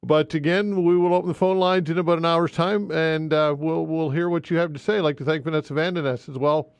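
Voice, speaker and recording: A man's voice: fairly high pitch, fairly even intonation, brisk, clean tone, no room sound. A man hosting a talk radio show in a studio, speaking emphatically and repeating the call-in details. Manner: emphatic, repeats phone number. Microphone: studio microphone.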